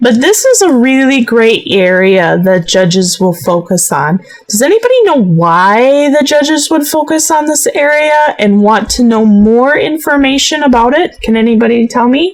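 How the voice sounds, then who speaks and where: Against noticeable background noise, a woman with an American accent speaks in an animated tone at a high pitch, her pitch swinging very widely, her loudness very even, and hardly any pauses between words. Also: moderate pace. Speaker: 4-H youth educator. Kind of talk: online presentation to youth. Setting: video call.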